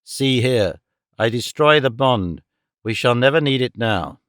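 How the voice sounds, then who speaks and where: A man's voice: medium pitch, animated, measured pace, a bit bright, clean tone, no room sound, studio quality. A man voicing a stern, cold-hearted moneylender who speaks in a grim, menacing way.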